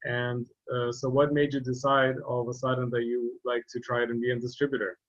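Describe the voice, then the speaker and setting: A man's voice: mid-range voice, completely flat delivery, brisk, fairly bright tone, muffled recording. A man interviewing a guest, asking questions hesitantly with many fillers.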